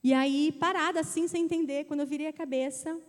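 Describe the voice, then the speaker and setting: A woman in her thirties giving a testimony in a sermon, telling her story in a lively way and speaking directly to the church. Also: sits high, a little fast. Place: church sanctuary. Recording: church hall reverb.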